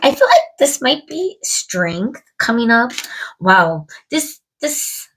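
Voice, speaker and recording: A woman's voice: fairly high pitch, very animated, slow pace, background noise. A woman reading tarot cards aloud, musing to spirit and viewers, a little stuffed up from a cold. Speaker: tarot reader. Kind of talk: casual tarot card reading to camera.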